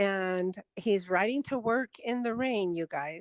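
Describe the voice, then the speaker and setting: The recording is dry and close, with no echo. A woman speaks at a medium pitch with ordinary pitch variation. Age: 60s. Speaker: cycling group leader and product developer. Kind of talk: podcast interview. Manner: enthusiastic.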